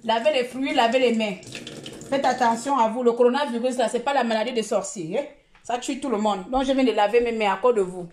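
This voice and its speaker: A woman's voice: a little high, fairly quick, darkish tone. Talkative woman scolding viewers on a live stream. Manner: talkative, scolding and repetitive, mixing sermon and chat. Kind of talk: casual live-stream monologue. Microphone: phone.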